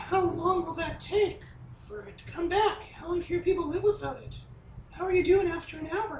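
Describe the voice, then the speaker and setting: A put-on character voice sits at an extremely high pitch with a slight echo. The pace is moderate. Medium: actual play. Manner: argumentative, insistent.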